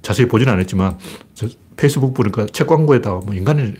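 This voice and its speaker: A man talking through politics and history in a casual, blunt, emphatic monologue with a husky voice. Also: medium pitch, quick pace. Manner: animated, blunt and emphatic, with frequent laughs and repeated phrases. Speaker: political commentator.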